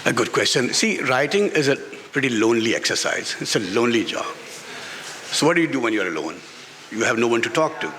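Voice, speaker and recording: Very animated and brisk, a middle-aged man with a Pakistani accent speaks as an author on a festival panel, answering candidly and emphatically with repeated phrases. His mid-range voice has a fairly bright tone. The garden-venue literary event is recorded live with background noise.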